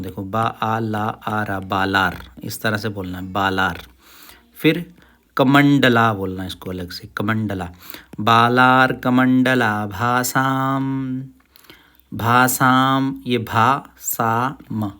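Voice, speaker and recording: A man leads an online lesson in Sanskrit recitation. He chants lines slowly, stretching each syllable so learners can follow. Between verses he slips into quick, plain explanation. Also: mid-range voice, fairly bright tone.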